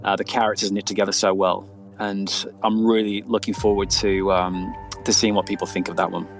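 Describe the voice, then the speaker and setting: Man, low voice, writer guest, casual interview chat, hesitant, self-effacing, repeated words, faint music behind. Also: little pitch movement, a little fast, creaky, rough recording.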